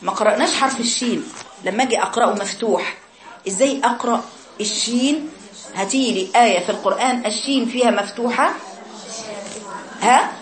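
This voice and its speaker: An Egyptian woman teaching Quran recitation to a class, correcting students and demonstrating drawn-out chanted syllables. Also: fairly high pitch. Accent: Egyptian Arabic.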